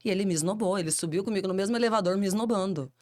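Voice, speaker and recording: Brazilian woman telling a lively anecdote. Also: medium pitch, very fast, no room sound, studio quality. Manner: lively storyteller who acts out quoted dialogue, laughing often. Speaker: radio presenter, podcast guest. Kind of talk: casual chat, anecdote telling.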